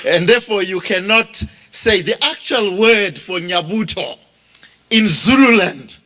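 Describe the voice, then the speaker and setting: A man with a Zimbabwean accent preaching a sermon as a pastor, speaking deliberately and repeating phrases for emphasis as he addresses his listeners directly. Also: fairly high pitch, fairly bright tone. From Bulawayo, Zimbabwe. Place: funeral service before a congregation.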